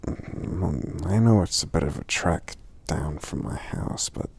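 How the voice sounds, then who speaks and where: A man voicing a gentle, sleepy, affectionate giant in a soft-spoken ASMR roleplay, murmuring slowly and hesitantly in a gravelly half-whisper. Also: extremely low pitch, expressive, dry recording, exaggerated voice. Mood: thoughtful, gentle. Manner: slow, hesitant, murmuring with frequent hums.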